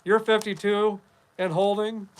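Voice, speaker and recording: Reading viewer comments on his casual live-stream podcast, a fifties-aged host from Wyoming, USA rambles and chats in an unhurried, flat manner. His voice sits high and has a clean tone.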